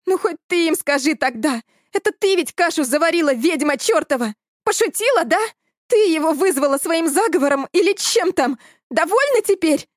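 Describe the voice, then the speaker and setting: A woman's voice: high voice, expressive, a little fast, no room sound, clean studio sound, voice pushed up. A woman voicing a hysterical young woman whose voice trembles and breaks near tears. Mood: panicked shrill.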